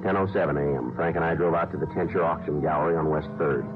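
An actor playing a matter-of-fact police detective who narrates in short, flat sentences, in a 1950s radio crime drama. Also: male voice, rumbling low, fast talker, over music. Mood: clipped. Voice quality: flat, clipped delivery. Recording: tinny old radio broadcast.

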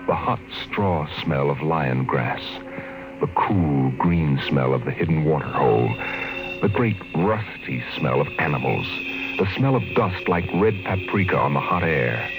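An American man narrating a 1950s radio drama in a measured, theatrical manner as a vivid storyteller. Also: extremely low pitch, animated, exaggerated voice, rough recording. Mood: grave, ominous. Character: omniscient storyteller, grave and vivid. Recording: old radio broadcast recording. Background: loud dramatic music.

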